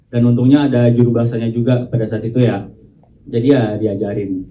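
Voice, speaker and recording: A man's voice: mid-range voice, flat delivery, a little fast, warm tone, far from the mic, rough recording. A young man from Jakarta, an actor at a press conference, talking hesitantly with many fillers. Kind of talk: casual chat.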